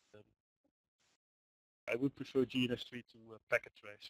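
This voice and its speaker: In a Dutch accent, a man speaks at a moderate pace and medium pitch, recorded dry and close with no echo. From Netherlands. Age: 30s. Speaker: network engineering trainer. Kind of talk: webinar Q&A. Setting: webinar call. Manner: halting.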